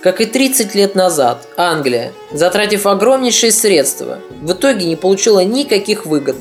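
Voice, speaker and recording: A podcast narrator reading a scripted history story in a steady, even manner. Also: mid-range voice, moderate pace, soft background music.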